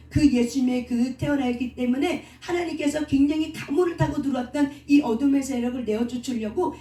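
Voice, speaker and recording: A woman's voice: high voice, warm tone. Distant, echoey woman preaching. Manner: asks the congregation questions and answers them herself. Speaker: pastor. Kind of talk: sermon.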